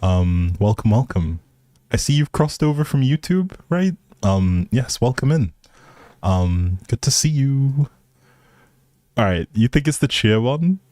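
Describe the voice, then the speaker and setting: A man's voice: mid-range voice, sing-song, a little slow, mellow, dry recording. A man hosting a livestream, chatting casually and informally straight to his viewers. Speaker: livestream host.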